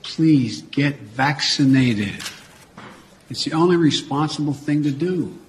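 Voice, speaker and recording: Slow, pleading male politician, faint noise. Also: on the high side, lively intonation. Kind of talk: formal public address.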